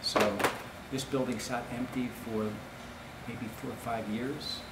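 A man speaks at a fairly low pitch with fairly even intonation. Background noise is clearly heard.

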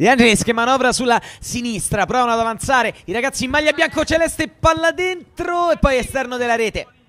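The delivery moves at a very fast pace. The intonation is lively. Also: man, extremely high pitch for a man. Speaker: football commentator. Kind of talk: live sports commentary, clipped play-by-play over match highlights. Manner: fast, breathless, excitable.

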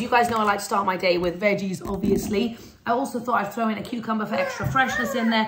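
A woman speaks at a very fast pace with ordinary pitch variation. Noticeable background noise runs under her voice. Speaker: food vlogger. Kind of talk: casual vlog chat. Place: kitchen. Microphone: phone near.

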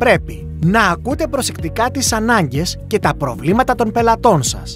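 The man's speech moves at a moderate pace. Behind him, music is playing. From Greece. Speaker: voice actor. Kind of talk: corporate e-learning narration. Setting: home studio.

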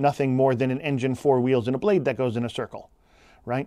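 Here a man speaks in a dark, mellow tone. The background is quiet. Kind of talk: casual tutorial talk to camera. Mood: wry, humorous storytelling. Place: workshop. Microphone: phone near.

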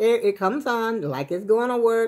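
At a moderate pace, a woman is talking. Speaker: home vlogger. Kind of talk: casual vlog chat. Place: home room. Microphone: phone near.

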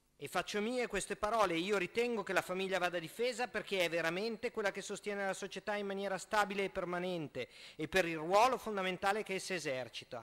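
Against a quiet background, a man talks very fast in a bright, sharp tone. His pitch varies in an ordinary way. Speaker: council member. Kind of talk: formal political speech. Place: hall. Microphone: podium.

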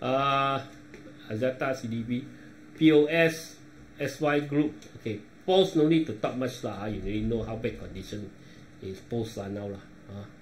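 A man with a Malaysian accent talks at a fairly slow pace with lively intonation, long, frequent pauses and big swings in loudness over light background noise. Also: medium pitch for a man. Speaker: stock trading youtuber. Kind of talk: market analysis commentary. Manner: halting, many fillers. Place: home room.

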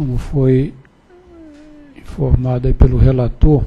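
This man's intonation stays fairly even while he talks very slowly. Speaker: regulatory agency director. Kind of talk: formal meeting deliberation.

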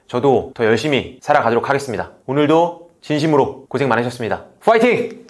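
Against a quiet background, a man with a normal speaking voice and medium pitch talks at a moderate pace. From Seoul, South Korea. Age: 30s. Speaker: real estate investor and educator; educator. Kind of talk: casual talk to camera. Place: studio.

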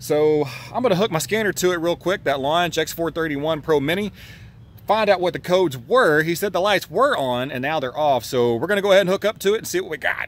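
The sound is dry, with no echo. A man speaks at a high pitch and a fairly quick pace. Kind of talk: tutorial. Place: street. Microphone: phone near.

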